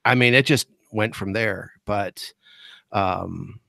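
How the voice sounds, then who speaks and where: A man's voice: lowish voice, slow pace, gravelly, sharp tone, no echo, clean studio sound. A man guest-hosting a podcast, talking casually and searching for words with many ums and restarts. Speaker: guest host.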